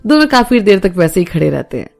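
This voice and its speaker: A woman narrating a romance audio story in a steady storytelling manner. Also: medium pitch, fast, vocal fry, faint music behind.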